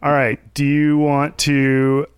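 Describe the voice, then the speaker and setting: Hungover male co-host, smooth and dry-sounding, hesitant with nervous laughs. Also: a little high, monotone, slow pace, no echo. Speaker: podcast co-host. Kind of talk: casual chat.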